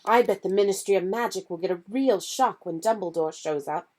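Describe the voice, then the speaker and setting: A woman's voice: mid-range voice, fairly quick, pitched above the performer's own voice, lightly acted. A woman reading aloud voices a determined young teenage boy who speaks with urgent, impassioned force. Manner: urgent, impassioned, rising to shouting.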